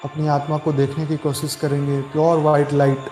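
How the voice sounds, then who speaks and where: A man speaking as a meditation guide, calm and soothing, giving slow, repetitive instructions with long pauses in Hindi. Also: a little high. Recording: roomy echo with background music. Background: meditation music.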